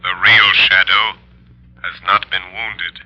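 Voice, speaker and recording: An actor playing a mysterious male crime-fighter who speaks in a calm, deliberate and faintly mocking way, in 1930s radio drama style. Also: low voice, soft background music, full character voice. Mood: cool, commanding. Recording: dull old radio recording.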